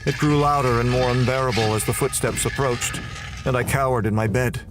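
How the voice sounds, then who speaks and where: A man's voice: medium pitch, fairly even intonation, brisk, low-quality recording. A man performing scripted, dramatic first-person narration for a horror audio drama.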